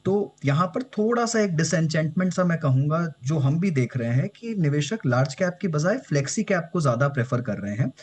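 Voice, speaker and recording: Measured man giving market analysis. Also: on the high side, a little mellow. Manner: measured, mixes English phrases into Hindi. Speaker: financial advisor guest. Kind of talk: news interview analysis.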